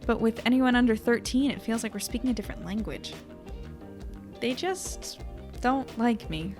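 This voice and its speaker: A woman's voice: on the high side, lively intonation, moderate pace, music in the background, lightly acted. A woman playing an anxious, self-doubting young newspaper editor, narrating and chatting wryly in an audio drama. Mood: wry, worried. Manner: wry, melodramatic, conversational. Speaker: narrator and lead character.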